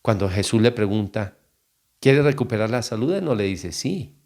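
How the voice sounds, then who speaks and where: A man preaching a teaching sermon, rising in pitch and volume when he voices prayers and biblical cries. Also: lively intonation, moderate pace, a little mellow. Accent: Colombian Spanish.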